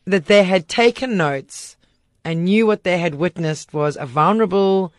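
A woman, a mother of three, chatting and telling lively stories from family life, acting out what was said. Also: fairly low pitch, a little slow, no echo, clean studio sound. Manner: animated storyteller, acting out her own lines. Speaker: co-host, mother. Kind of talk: conversational podcast chat.

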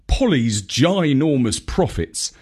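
Slow, husky, very expressive male storyteller. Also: medium pitch. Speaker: audiobook reader. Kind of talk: scripted first-person children's story narration.

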